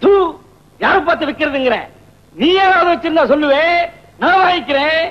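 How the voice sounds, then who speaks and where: A boastful middle-aged man shows off in a drawling, bragging voice. His pitch is very high, and the sound is dull and lo-fi like an old film track. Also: a little fast. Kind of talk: 1990s Tamil film comedy.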